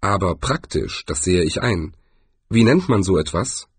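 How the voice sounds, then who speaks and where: A man's voice: low voice, expressive, measured pace, husky, no echo, exaggerated voice. A man voicing a grumbling, unimpressed dwarf jeweller in a storybook, talking in a dry, matter-of-fact way. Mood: curious.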